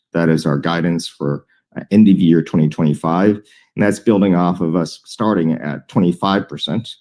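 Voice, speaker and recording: A man with a deep, dark-toned voice delivers an earnings presentation as a company executive. He speaks in a measured and deliberate way, often pausing to find the next phrase. The timbre stays relaxed and low. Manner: measured, deliberate, with frequent hesitant pauses.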